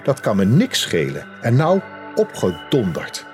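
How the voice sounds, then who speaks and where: A man's voice: medium pitch, wildly swooping pitch, a little slow, darkish tone, soft background music. A man voicing a rude, impatient little man who guards a lake and spits when he talks, in a storybook tale. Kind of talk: storybook character voice.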